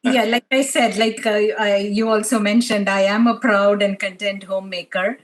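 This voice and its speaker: A woman's voice: mid-range voice, steady tone, normal speed. A woman in her fifties from Tanzania, talking about her life as an interview guest, with many fillers. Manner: soft-spoken, many fillers. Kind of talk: interview chat.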